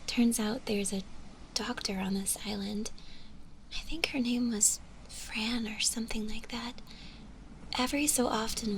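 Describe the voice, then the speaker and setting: A woman voicing a shy, gentle undead zombie girl in an ASMR roleplay, speaking softly and breathily in a hesitant, bashful way, often in a whisper. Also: on the high side, gravelly, slight background noise, rough recording. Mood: gentle, wistful. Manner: hesitant, bashful, halting with small giggles.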